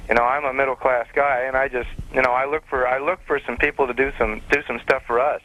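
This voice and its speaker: A man calling in to a radio show over the phone, talking in a plainspoken, earnest, halting way. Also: mid-range voice, little pitch movement, bright, forceful tone, rough recording. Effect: heard over the phone. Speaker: caller. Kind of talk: call-in radio chat.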